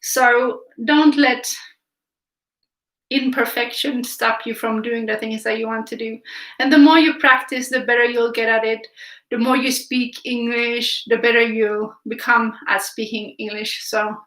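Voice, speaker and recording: A woman's voice: a little high, steady tone, a little slow, a bit bright, roomy sound, rough recording. A young woman from Finland with a Finland Swedish accent, chatting casually on a live stream while painting and reading viewer comments aloud. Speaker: art livestream host. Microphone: camera filming from above.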